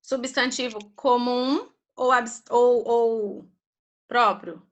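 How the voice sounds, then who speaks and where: A woman's voice: a little high, steady tone, drawn-out words, muffled recording. A woman teaching a primary school class on a video call, patiently drilling grammar terms with her students.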